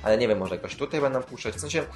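A man's voice: mid-range voice, animated, very fast. A man hosting a casual news roundup, rambling with filler sounds and self-corrections, and dropping dry sarcastic asides. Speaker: YouTube host covering city transit news.

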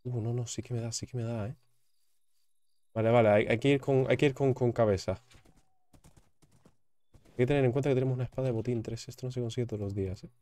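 A man's voice: medium pitch, fairly even intonation, quick pace, long pauses, dark tone, no room sound. A young man, chatting casually while playing a game and repeating words as he reacts. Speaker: gaming YouTuber. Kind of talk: casual gameplay commentary.

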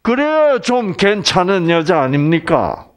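Male Bible lecturer, high and animated, slow, teasing, quizzes the audience.

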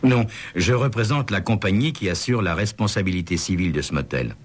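A man voicing a calm, composed insurance investigator with a measured manner. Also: deep voice, slight background noise.

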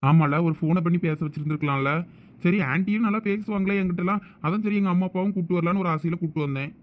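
A man's voice: sits high, fast talker, phone-quality sound, lightly acted. A man playing a sheepish young village man. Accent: Thoothukudi Tamil. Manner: sheepish, agreeing.

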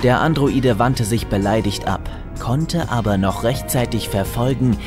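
A man's voice: mid-range voice, a little slow, over music. A man narrating a scripted comic story in a wry, tongue-in-cheek manner.

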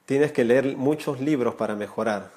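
A man in his thirties speaks earnestly to his viewers on a live stream, teaching and gesturing as he goes. His voice sits at an ordinary middle pitch. He is recorded through a webcam in a small room indoors. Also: normal speed, a little mellow. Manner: earnest, gestures with hands, addresses viewers directly. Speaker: Spanish teacher, channel creator. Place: small room indoors, warm lamp light.

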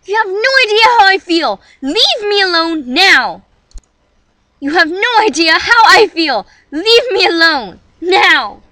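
A woman playing a highly emotional young anime-style girl in a theatrical, intense manner for an audition. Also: very animated, slow, bright, forceful tone, dry recording, clean studio sound, full character voice. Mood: furious.

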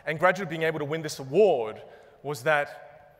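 A young man giving a comedic keynote on a large conference stage, animated and self-mocking, landing punchline after punchline. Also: on the high side, normal speed. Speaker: keynote speaker and magician. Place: large conference stage before a live audience. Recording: long reverb of a big hall.

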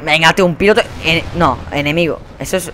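A young man with a Spanish accent commentating his own shooter gameplay, swearing a lot and quick to burst into angry shouts. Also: fairly high pitch, a little hiss or hum. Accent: Spanish from Spain. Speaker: gaming commentator. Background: faint gunfire from the game.

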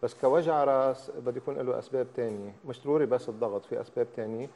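A man's voice: medium pitch, steady tone, rapid-fire, dark tone, in a large hall. An older man with a Lebanese accent, a doctor guest giving methodical advice to callers in a TV studio. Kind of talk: studio talk show advice.

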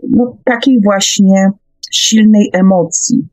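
A woman speaking hesitantly and haltingly in an unscripted radio discussion. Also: medium pitch, fairly even intonation, dark tone, faint music behind, rough recording. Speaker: radio talk show host.

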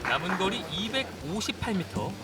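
High-pitched, animated male golf commentator. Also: normal speed, far from the mic, over a noisy crowd. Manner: exclaims and calls shots in short announcements. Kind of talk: live golf tournament commentary.

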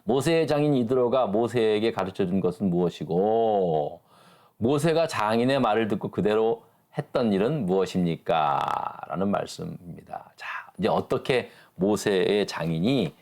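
A man's voice: fairly low pitch, expressive, moderate pace, darkish tone. A man pastor leading a church Bible study, talking emphatically and asking the class rhetorical questions.

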